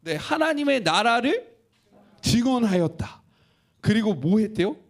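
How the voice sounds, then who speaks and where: A male pastor preaching a sermon, asking the congregation questions and acting out quotes in an animated way. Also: high voice, unhurried.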